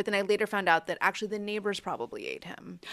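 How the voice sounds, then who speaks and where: Over a quiet background, a woman speaks with an American accent. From Indonesia. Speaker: writer and comedian. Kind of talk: casual chat.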